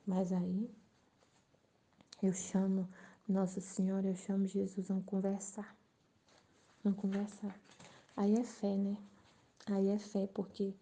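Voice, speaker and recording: A woman sharing an earnest, emotional spiritual testimony, sometimes dropping to a soft near-whisper. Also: mid-range voice. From Brazil. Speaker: Catholic channel presenter.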